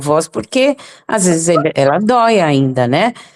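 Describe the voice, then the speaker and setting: Her pitch swings very widely as a woman speaks at a fairly slow pace in a dry, close sound with no echo. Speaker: student in speaking course, former teacher. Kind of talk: casual chat. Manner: soft-spoken.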